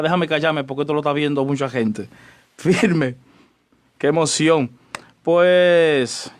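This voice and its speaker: A man, a Catholic parish priest, teaching church doctrine on the radio in a chatty way, greeting listeners by name and pausing on fillers as he explains. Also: medium pitch, clear, resonant tone. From Dominican Republic.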